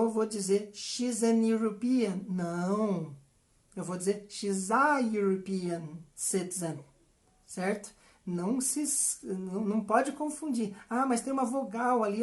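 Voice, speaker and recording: A woman with a Brazilian Portuguese accent, an English teacher explaining grammar patiently and repeating example sentences slowly. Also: medium pitch, darkish tone. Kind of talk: explanatory language lesson.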